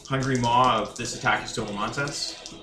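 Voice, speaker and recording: A man playing a tabletop game, chatting casually and haltingly as he thinks aloud. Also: mid-range voice, fairly even intonation, music in the background. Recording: echoey room, clearly noisy.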